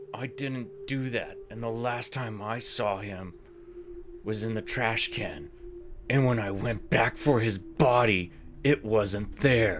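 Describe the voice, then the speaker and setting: Over clear background noise, a man does a raspy, put-on character voice at medium pitch and a fairly slow pace. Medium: actual play.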